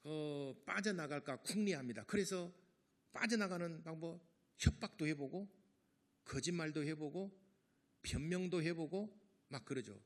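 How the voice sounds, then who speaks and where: A man's voice: on the high side, unhurried. A middle-aged man preaching a sermon as pastor, talking casually to the congregation and acting out the people in his stories. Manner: conversational preaching with acted-out quotes.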